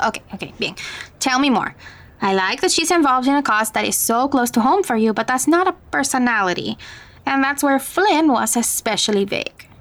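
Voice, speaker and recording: Caring, higher-voiced motherly Latina confidante. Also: animated, fairly quick. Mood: playful, curious. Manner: gentle, code-switches into Spanish. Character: caring, probing motherly Latina confidante, teasing but gentle. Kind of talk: naturalistic fiction podcast acting.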